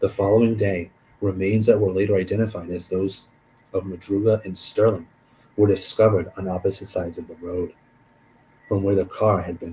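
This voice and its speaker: Somewhat breathy with a dark, mellow tone, a man speaks fairly low and fairly quick in a monotone, flat intonation, with long, frequent pauses and big swings in loudness. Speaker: livestream host reading true crime cases. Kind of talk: reading aloud with live reactions. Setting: livestream. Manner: fast; halting, self-correcting.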